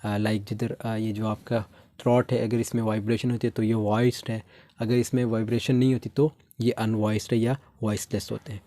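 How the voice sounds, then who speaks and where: A young man teaching a stylistics lesson, explaining in Hindi and slowly reading out notes. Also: fairly low pitch, level tone, mellow, no room sound. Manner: mixes Hindi explanation with slow reading of English text.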